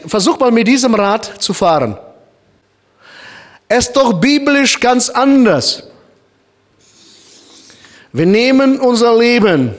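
A man born in Kazakhstan preaching a sermon in German with a noticeable foreign accent, addressing the congregation directly and acting out little scenes. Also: sits high. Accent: Kazakh-born, speaking German with a noticeable foreign accent.

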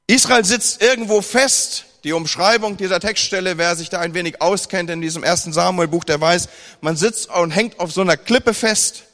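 High-voiced preacher in a reverberant hall. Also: male voice, normal speed. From northern Germany. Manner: lively, humorous retelling with mock dialogue. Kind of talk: sermon with scripture reading.

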